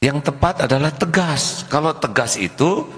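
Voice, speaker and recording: A man's voice: on the high side, lively intonation, normal speed. A male preacher giving a humorous religious lecture, often acting out scolding voices in quotes. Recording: echoey hall.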